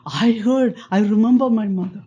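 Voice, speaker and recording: Slow, dark-voiced Indian missionary man. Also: sits high, husky, lo-fi sound. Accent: Indian English. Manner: halting, simple phrasing with frequent "see" and "you know, like"; laughs often between sentences. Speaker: missionary guest telling his life story. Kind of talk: slow personal testimony in English, paused for interpreting.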